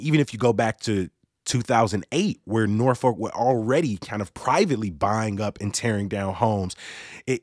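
A man's voice: lowish voice, dry recording. Male podcast host, reflective, dry close recording. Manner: reflective, with repeated words as he thinks aloud. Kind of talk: casual news discussion.

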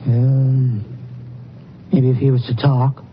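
A man's voice: little pitch movement, lightly acted. Man acting a folksy witness, dull old radio. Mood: unsure, hesitant. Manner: halting, unsure, rustic grammar. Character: hesitant, folksy male crime victim identifying attacker. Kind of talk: 1950s radio drama acting. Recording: dull vintage radio recording, faint rumble.

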